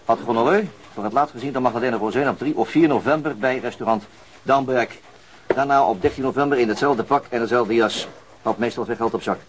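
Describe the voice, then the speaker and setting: A man's voice: medium pitch, brisk, a little hiss or hum, close to an everyday voice, rough recording. Actor as clipped, businesslike male detective. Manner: clipped, matter-of-fact. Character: businesslike male detective reading out a case report. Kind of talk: radio drama acting.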